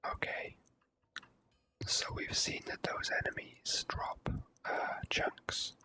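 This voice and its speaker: A person whispering slow, gentle ASMR commentary while playing a video game. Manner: hushed, gentle, slow and unhurried. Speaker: video game player and host.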